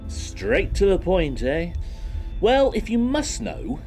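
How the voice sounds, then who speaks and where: A flamboyant villain of an audio drama acted by a man, sardonic and smug. His drawl is leisurely and very animated, with music clearly behind it. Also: sits high, slow, full character voice. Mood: smug, mocking. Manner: theatrical, mocking, drawling.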